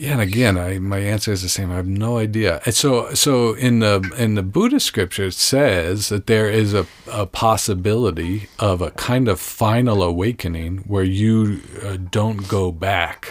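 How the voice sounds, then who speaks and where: This man has a fairly low voice and an American accent, a normal speaking voice with ordinary pitch variation. He talks at a moderate pace with hardly any pauses. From Connecticut (Greenwich). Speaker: meditation teacher. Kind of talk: casual interview. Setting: vintage pop-up camper on a farm.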